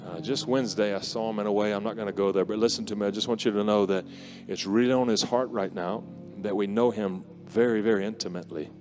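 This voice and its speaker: A man in his forties preaching on an arena stage with a handheld mic, speaking earnestly and softly with many pauses. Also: on the low side, steady tone. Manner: earnest, soft-spoken, pausing often with fillers. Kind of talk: closing exhortation at a conference. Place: large indoor arena stage. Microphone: handheld microphone. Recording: live music under the voice. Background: worship music.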